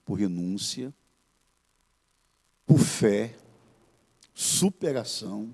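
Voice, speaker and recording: Husky, low-voiced Brazilian pastor. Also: male voice, lively intonation, darkish tone. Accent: Brazilian Portuguese. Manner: earnest, measured preaching tone. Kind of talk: gospel TV interview testimony.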